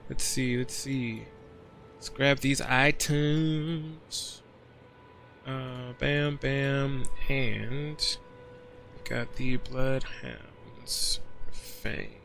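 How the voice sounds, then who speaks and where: Male game streamer: casual, rambling livestream chat, bright and lively tone. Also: medium pitch, creaky. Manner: chatty and easygoing, rambling asides.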